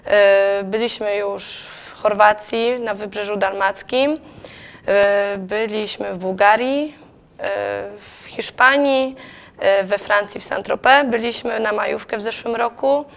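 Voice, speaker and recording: A woman's voice: mid-range voice, steady tone, a little slow, fairly bright tone. A young woman in her twenties, a guest in a TV studio, chatting casually about trips. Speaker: guest, student trip organizer.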